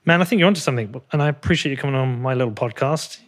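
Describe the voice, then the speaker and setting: Male podcast host, British accent, rapid casual delivery, blunt and informal. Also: medium pitch. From Britain. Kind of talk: casual interview chat.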